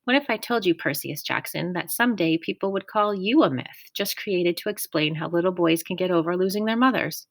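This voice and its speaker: Measured, formal old teacher read by a woman, kindly, dry close sound. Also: fairly low pitch, lively intonation, dry recording. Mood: earnest.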